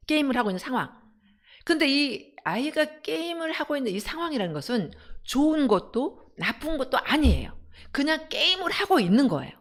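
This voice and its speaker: A middle-aged woman, a counseling center director, giving an animated parenting lecture and asking her audience rhetorical questions. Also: sits high. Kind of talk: parenting lecture on a live broadcast.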